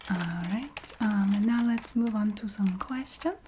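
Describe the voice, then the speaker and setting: A woman playing a courteous, matter-of-fact vampire receptionist in a soft-spoken ASMR roleplay, half-whispering in a put-on Eastern European accent with halting, formal phrasing. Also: mid-range voice, slight background noise, natural voice. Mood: matter-of-fact, approving. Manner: halting, formal phrasing with small hesitant hums.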